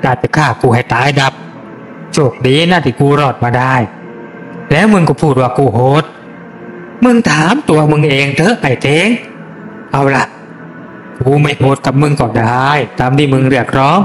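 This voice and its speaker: A man's voice: mid-range voice, normal speed, pauses often, soft background music, lightly acted. A man voicing a vengeful, ruthless male gang boss who snarls coarse threats. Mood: menacing.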